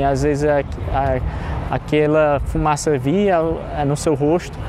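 Here a man's fairly high voice comes through at a fairly slow pace. There is noticeable background noise. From Brazil, Ceará. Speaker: podcast host, language learner. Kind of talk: casual vlog monologue. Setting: outdoors in city street. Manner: halting, many fillers.

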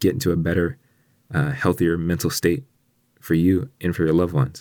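The delivery is fairly quick, with lively intonation. The recording is very clean, with a silent background. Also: man. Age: 30s. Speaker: podcast host. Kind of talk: solo motivational talk. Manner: casual, with many fillers.

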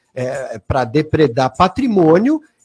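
Music plays in the background. A man speaks at a high pitch with very wide pitch swings. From Brazil. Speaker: shopping mall manager. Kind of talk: radio panel discussion. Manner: halting.

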